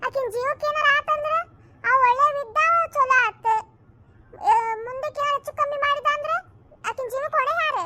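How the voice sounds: In a cartoonish character voice, a woman talks at a moderate pace with an extremely high pitch.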